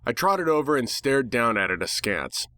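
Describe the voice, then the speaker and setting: A man narrates a first-person tale with theatrical, sardonic flair. His pitch sits in the middle of the male range, and his irreverent delivery comes through in a dry recording with very little room. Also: sing-song, normal speed, bright, forceful tone, dry recording. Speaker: narrator reading fan fiction. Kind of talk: dramatic first-person story reading.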